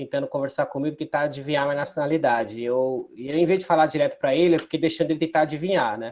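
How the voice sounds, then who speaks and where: A man talks with ordinary pitch variation. The recording is very clean, and the background is silent. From Brazil. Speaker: commentator on Russia. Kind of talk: casual interview chat. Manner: halting.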